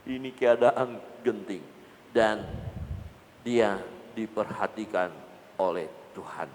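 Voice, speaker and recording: A man preaching a dramatic sermon, swinging from loud, high bursts to low murmurs. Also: takes it slowly, in a large hall, slight background noise. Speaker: pastor.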